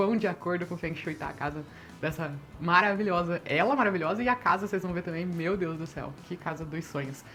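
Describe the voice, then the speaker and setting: With music in the background, a woman of fairly low pitch talks at a very fast pace with ordinary pitch variation. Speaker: feng shui consultant. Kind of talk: casual vlog. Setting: rented apartment. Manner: soft-spoken, talking quietly late at night.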